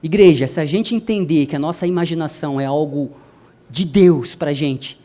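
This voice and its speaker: A young adult man preaching a sermon to a congregation, speaking to them directly and swinging his voice from soft to loud. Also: normal speed. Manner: addresses the congregation directly, wide swings in pitch and loudness.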